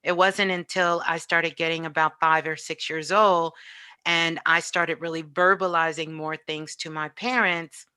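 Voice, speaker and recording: Female interview guest, very low register with a forceful bright edge, conversational and reflective. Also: clean tone, no echo. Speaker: radio show guest.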